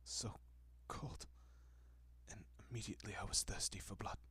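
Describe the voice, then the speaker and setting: A man playing a gentle, courteous, possessive vampire in an intimate audio roleplay, speaking softly and often dropping to a whisper with hushed reassurance. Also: on the low side, steady tone, moderate pace, slightly rough, no room sound, exaggerated voice. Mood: soothing, earnest. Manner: hushed, reassuring, politely old-fashioned.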